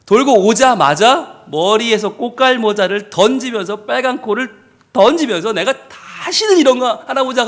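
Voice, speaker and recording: A man preaching a sermon as pastor, telling a story in an animated way and acting out the people in it. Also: high voice. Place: church service.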